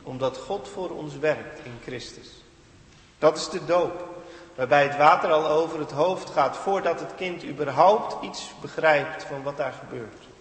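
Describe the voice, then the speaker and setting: Dutch preacher echoing in a church. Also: male voice, fairly high pitch, a little slow. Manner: earnest, rises to emphatic peaks then drops quiet. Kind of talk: sermon. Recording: echoey church hall with long reverb.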